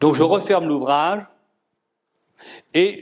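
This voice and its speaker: The recording is very clean and the background silent. A man talks with ordinary pitch variation. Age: 70s. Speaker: parapsychologist, lecturer. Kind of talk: conference talk. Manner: halting.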